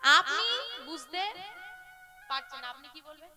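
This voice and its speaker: High-voiced woman preaching over kirtan music. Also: moderate pace. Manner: animated storytelling, cries out and laughs. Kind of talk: devotional kirtan with spoken explanation. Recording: live devotional music behind.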